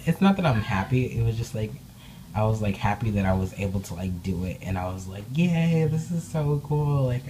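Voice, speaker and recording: Rambly, bubbly woman with a dark voice. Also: extremely low pitch, a little hiss or hum, low-quality recording. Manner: rambling, with many filler words; bubbly, excitable. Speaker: doll hobby vlogger. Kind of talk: casual update vlog. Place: indoor room, speaking off camera behind dolls.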